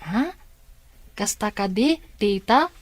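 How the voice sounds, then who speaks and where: A woman's voice: medium pitch, expressive, slow, dry recording. A woman playing a curious young child in an Ilocano audio drama.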